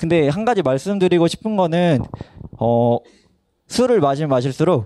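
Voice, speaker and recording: A man speaks with a dark, mellow tone at a moderate pace. His pitch sits fairly high, with very wide swings. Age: 20s. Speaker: university student. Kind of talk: testimony.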